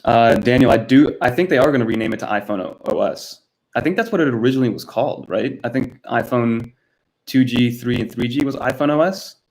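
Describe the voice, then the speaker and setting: A man's voice: medium pitch, brisk, darkish tone, poor audio. A young man from Miami hosting his first live stream, chatting casually and answering viewers by name, recorded on a built-in camera mic in a cluttered home room. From United States (Miami, Florida).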